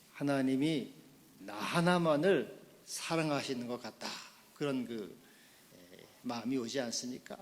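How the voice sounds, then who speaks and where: A man pastor delivering a Sunday sermon, asking the congregation questions and building to loud, emphatic climaxes. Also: medium pitch, big-room sound. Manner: asks the congregation questions directly.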